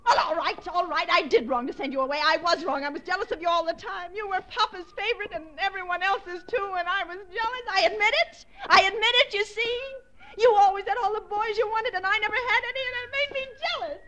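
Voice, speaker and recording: An actress playing a frightened, guilt-ridden sister pleading in 1940s radio suspense style, with a breathless, quavering delivery. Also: female voice, very high voice, fast, sharp tone. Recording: noisy vintage radio recording.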